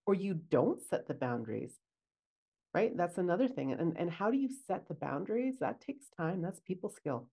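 A woman's voice: on the low side, very animated, normal speed, warm tone, husky. A woman co-hosting a casual podcast, chatty and acting out bits of client talk. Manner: chatty, acts out client dialogue. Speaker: podcast co-host, esthetician.

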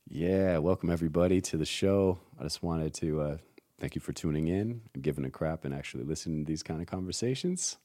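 A man of about forty hosts a relaxed podcast conversation in a very deep, low voice. He talks loosely and casually, laughing often and dropping "man" into his sentences. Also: a little fast, dry recording, studio quality. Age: around 40. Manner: laid-back, laughs often, says "man" a lot. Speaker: podcast host. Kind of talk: casual chat.

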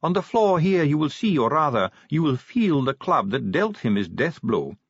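A man's voice: fairly high pitch, very animated, slightly rough, no room sound, muffled recording, pitched above the performer's own voice, full character voice. A man playing a formal, stiff dwarf official. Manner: formal, measured, clipped.

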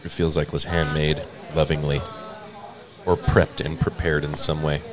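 A man's voice: extremely low pitch, little pitch movement, moderate pace, crowd noise. A man casually chatting and joking while eating a burger at a restaurant. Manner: joking, playful. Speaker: co-host of a food review show.

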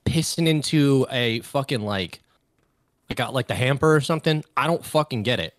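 A man's voice: medium pitch, animated, normal speed, no echo. Casual swearing young man, dry mic. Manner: rambling, swears often, many fillers. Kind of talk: casual chat.

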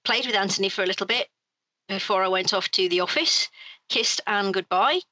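A woman playing a tabletop role-playing game, chatting briskly about her character and speaking as him. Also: mid-range voice, sharp tone, low-quality recording. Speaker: player.

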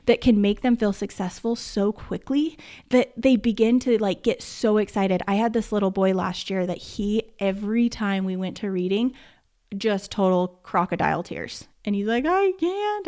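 A woman's voice: medium pitch, fairly even intonation, normal speed, mellow. A woman who teaches first grade, talking casually and emphatically in a podcast monologue, with lots of "like". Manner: emphatic and chatty, says "like" often.

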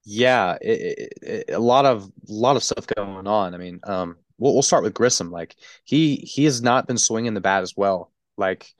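A congested man co-hosting a sports podcast, talking in a halting way full of restarts and stutters. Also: lowish voice, dry recording. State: congested, stuffy. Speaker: podcast co-host. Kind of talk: casual sports chat.

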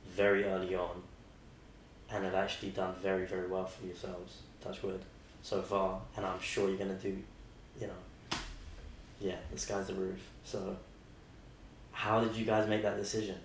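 A man's voice: low-pitched, completely flat delivery, normal speed. A man, hosting a podcast in casual, rambling chat with many restarts. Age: 20s. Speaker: podcast host. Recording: roomy sound with faint noise.

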